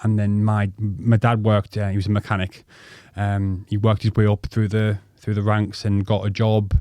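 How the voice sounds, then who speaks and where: Casting: North East English man, thirties, low-voiced podcast co-host, rambling, sweary, dry close sound. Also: completely flat delivery, normal speed, warm tone, no echo. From North East England. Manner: rambling, swears freely, many ums and restarts. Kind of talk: casual storytelling chat.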